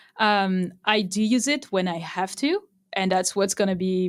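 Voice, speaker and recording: On a very clean recording with a silent background, a woman with a non-native accent speaks at a medium pitch. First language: not English. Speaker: music producer. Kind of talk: interview. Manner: halting, many fillers.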